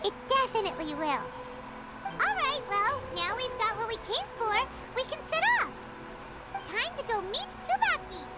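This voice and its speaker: A squeaky, bubbly little game companion, very high, bouncing all over, loud game music behind. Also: female voice, very animated, moderate pace. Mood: eager. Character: tiny floating female companion, chirpy, chatty. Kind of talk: game voice acting.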